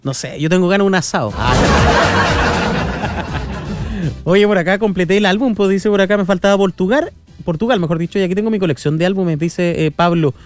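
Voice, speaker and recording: A young Chilean man hosting a radio show in casual chat, his nose stuffed up from a cold, chatty and relaxed with frequent filler tags. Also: sits high, brisk, music in the background. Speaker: radio host. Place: radio studio.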